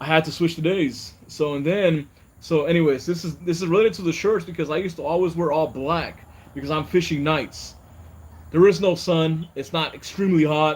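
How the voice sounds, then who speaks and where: A man talks fairly quickly in a fairly high pitch, his pitch varying in an ordinary way. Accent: American. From Texas. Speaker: fishing youtuber and healthcare worker. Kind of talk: livestream chat. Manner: casual, halting with repetitions.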